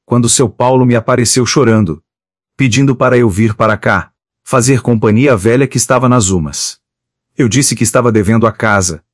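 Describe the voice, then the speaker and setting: A man's voice: mid-range voice, dry recording, clean studio sound, lightly acted. A man voicing a proud, scornful male street fighter in an audiobook. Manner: scornful, boastful.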